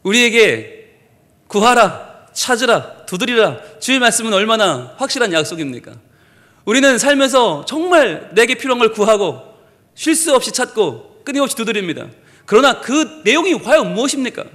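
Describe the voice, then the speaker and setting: A man's voice: extremely high pitch, big pitch swings, normal speed, a bit bright. A man preaching a sermon as pastor, telling a story animatedly and acting out the characters' lines. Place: church sanctuary. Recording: long hall reverb in a church.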